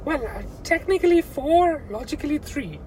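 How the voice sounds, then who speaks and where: A man with a South Asian accent chatting casually to viewers, halting and repeating phrases for emphasis. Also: very high-pitched, animated. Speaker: vlogger. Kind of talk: casual vlog chat. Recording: distant mic, loud outdoor traffic noise.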